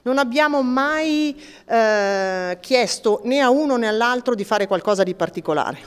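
A woman's voice: fairly high pitch, expressive, a little slow, smooth, big-room sound. A woman with an Italian accent answering in an interview, hesitant and full of fillers.

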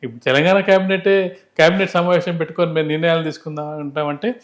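Male political analyst, brisk delivery, emphatic and explanatory, unscripted. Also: fairly high pitch. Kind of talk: unscripted political commentary in an interview.

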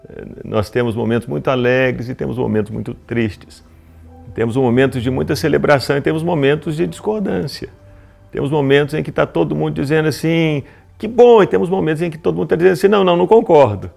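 A man in a documentary interview, speaking in measured, balanced phrases. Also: on the high side, fairly even intonation, vocal fry, a little mellow, faint music behind.

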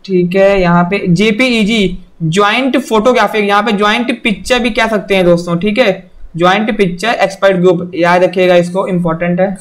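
A man's voice: sits high, fairly even intonation, normal speed. A young man teaching an exam-prep lesson, who keeps repeating "okay" and "remember this" in a direct, instructive way. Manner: repeats "theek hai" and "yaad rakhiyega" often, direct instructional.

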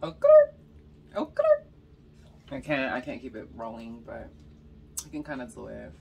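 A young woman from Georgia with a slight Californian accent and a slightly raspy voice, chatting casually between bites while eating on camera. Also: very deep voice, moderate pace, recorded from a distance, a little hiss or hum. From Georgia, US South. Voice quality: a little raspy. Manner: chatty storytelling between bites, lots of "like" and "y'all". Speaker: mukbang vlogger. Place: bedroom, indoors.

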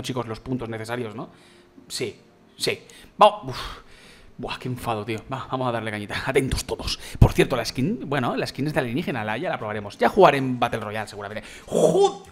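Excitable Spanish gamer with a faint hiss. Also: male voice, mid-range voice. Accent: Spain Spanish. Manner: excitable, swears and exclaims loudly. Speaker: gaming youtuber. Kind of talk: gameplay commentary.

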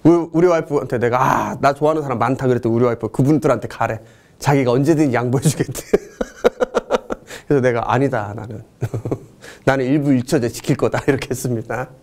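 A man's voice: mid-range voice, quick pace. A middle-aged man teaching a history exam-answer lecture, joking and chatting with his students between questions. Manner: jokey, excitable, chatty asides to students.

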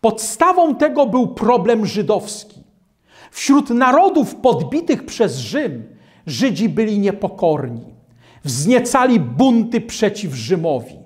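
An older man preaching a studio sermon at a lectern, reading Bible verses aloud in a measured way. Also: high voice, darkish tone.

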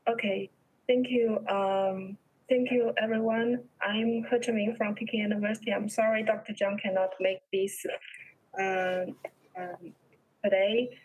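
A young woman with a Chinese accent giving an academic presentation over a video call in a halting, hesitant way. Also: medium pitch, little pitch movement, darkish tone, slightly rough, rough recording. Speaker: research presenter.

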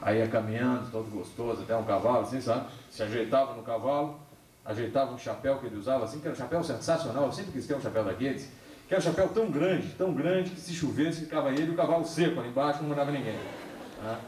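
A man gives a lively public talk to a young audience, holding a handheld microphone and acting out dialogue as he tells stories. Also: mid-range voice, rapid-fire, a little hiss or hum. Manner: animated storyteller, acts out dialogue, gestures. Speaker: public speaker on alcohol and drugs. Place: large hall with a seated audience. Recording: echoey hall, camcorder recording.

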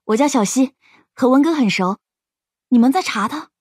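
A woman's voice: high voice, animated, normal speed, darkish tone, slightly rough, no room sound, clean studio sound. A woman playing a candid, observant teenage shopgirl in an audio drama. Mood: earnest. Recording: music behind the voice.

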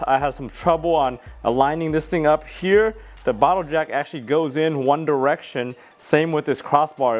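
Relaxed man explaining a garage project. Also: mid-range voice. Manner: relaxed, practical, explains step by step. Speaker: DIY garage tool reviewer. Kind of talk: casual how-to narration. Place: home garage.

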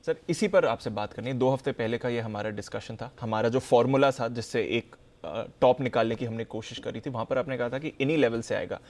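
A man's voice: medium pitch, brisk, few pauses, a little mellow. A young man anchoring a business news show, politely setting up questions for his guest. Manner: polite, brief affirmations, addresses guest as sir. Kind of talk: studio interview questions. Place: TV news studio.

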